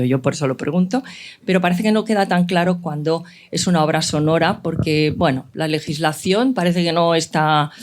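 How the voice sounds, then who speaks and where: A woman moderating an informal panel, explaining her view and posing questions with frequent small checks for agreement. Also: low-pitched.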